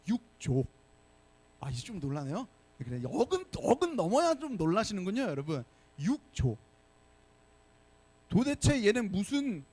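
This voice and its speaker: A male pastor preaching a sermon to young adults in a church, lively and often asking the congregation questions. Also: high-pitched, breathy edge. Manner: animated, asks the congregation questions. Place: church sanctuary.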